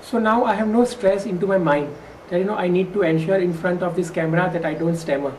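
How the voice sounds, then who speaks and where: A woman's voice: lowish voice, fast talker, darkish tone. A woman who stammers, repeating first syllables, and answers interview questions hesitantly with many fillers and restarts. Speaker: stammering workshop participant. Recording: distant mic with faint background noise.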